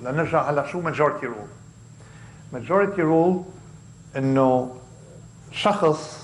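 At a fairly high pitch with ordinary pitch variation, a man speaks. His pace is very slow, with long, frequent pauses. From Lebanon. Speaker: professor, author. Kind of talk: university lecture. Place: hall. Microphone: podium.

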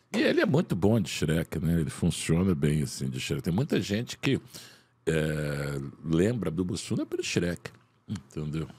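In a dry sound with no echo, a man speaks at a very deep, low pitch with vocal fry and ordinary pitch variation. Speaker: podcast guest. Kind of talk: interview answer, anecdote. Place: studio. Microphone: studio mic.

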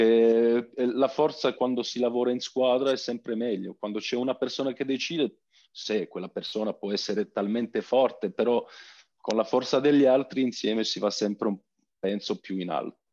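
Ordinary pitch variation in a male voice of dark, mellow tone. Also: medium pitch for a man, moderate pace. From Belgium, Italian family. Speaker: rock band musician; guest. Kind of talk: interview. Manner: halting. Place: home room. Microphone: video call.

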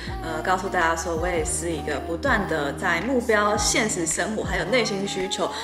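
A woman talks with hardly any pauses. Clear music plays in the background. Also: moderate pace. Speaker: fitness vlogger. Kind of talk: casual vlog chat. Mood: warm and reflective. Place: home room.

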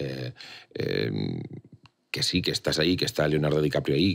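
A man's very deep, low voice with vocal fry and a Castilian accent, calm in tone at a moderate pace, against a quiet background. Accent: Castilian Spanish, Valladolid-style. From Andalusia, Spain. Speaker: actor. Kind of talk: interview answer. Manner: calm, hesitant with repetitions. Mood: calm, reflective. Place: studio. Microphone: studio mic.

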